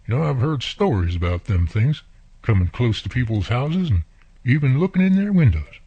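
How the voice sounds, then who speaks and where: A man's voice: mid-range voice, very animated, moderate pace, dark tone, slightly rough, dry recording. An actor playing a friendly, plainspoken country handyman neighbor with an American country accent, talking folksily in a radio drama. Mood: chatty, amazed. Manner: folksy, colloquial, drawling turns of phrase. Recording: muffled, lo-fi audio.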